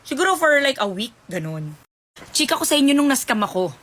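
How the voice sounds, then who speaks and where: A high-voiced young woman tells casual storytime anecdotes straight to her viewers. She is chatty and gossipy, calls them "te" and drops English words into her talk. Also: sing-song, fairly quick, fairly bright tone. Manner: chatty, gossipy, addresses listeners as "te", mixes in English. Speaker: storytime vlogger.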